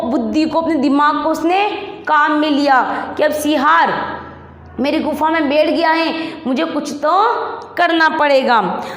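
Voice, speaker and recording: Slow, high-voiced Rajasthani Hindi teacher. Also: female voice. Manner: slow and questioning, repeats questions for children. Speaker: primary school teacher. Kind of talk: online class lesson, reading a story aloud. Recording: roomy echo, long reverb.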